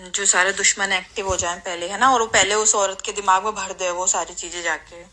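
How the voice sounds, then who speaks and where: A woman's voice: mid-range voice, fairly even intonation, a little fast, background noise. A woman speaking casually on a recorded phone call, insistent and persuasive. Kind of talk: casual private phone conversation.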